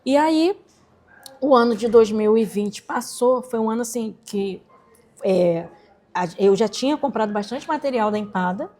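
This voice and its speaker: As an interview guest, this entrepreneur and singer from Rocinha, Rio de Janeiro, Brazil, shares an emotional personal story. She's animated, with a slightly high voice and a moderate pace, and she acts out quoted voices.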